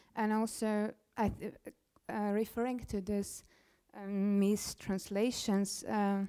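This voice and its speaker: A woman speaks at a fairly slow pace, her medium-pitched voice dark and mellow in tone. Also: very clean recording, silent background. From Armenia. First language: Armenian. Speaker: summer school participant. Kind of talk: seminar discussion. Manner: halting.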